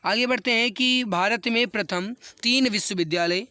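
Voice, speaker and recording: Male exam tutor, sore throat. High, smooth voice, dry close sound. Earnest and encouraging, repeats every question. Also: moderate pace, pushed and bright, no echo. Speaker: exam-prep teacher. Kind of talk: online exam practice class.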